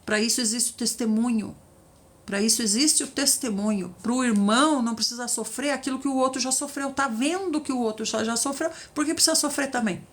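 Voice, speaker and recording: Female preacher, lively and a bit high, acts out quoted voices. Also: fairly quick. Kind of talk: devotional teaching.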